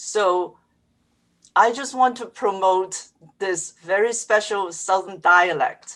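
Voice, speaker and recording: With a Cantonese accent, a woman speaks very slowly at a medium pitch, her pitch varying in an ordinary way while her loudness swings widely. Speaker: poet. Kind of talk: interview.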